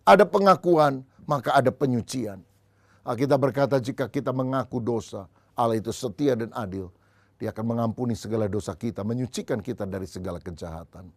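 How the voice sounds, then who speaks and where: Man, pastor preaching, lively storytelling, acts out dialogue, dry close sound. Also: fairly quick, dry recording. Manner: storytelling, acting out dialogue with shifting pitch. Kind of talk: sermon with humorous anecdotes.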